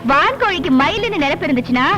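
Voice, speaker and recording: A woman's voice: very high-pitched, big pitch swings, very fast, lo-fi sound. An actress playing a feisty young student who trades insults, with film music behind her. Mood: scornful. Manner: sharp-tongued, scolding. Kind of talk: 1990s Tamil film comedy.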